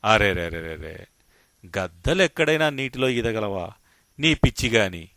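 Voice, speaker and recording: A man's voice: lowish voice, lively intonation, unhurried, vocal fry, bright, forceful tone, dry recording, studio quality, exaggerated voice. A man voicing a young, curious and kind female duckling in a raised, sing-song storyteller voice. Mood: amused.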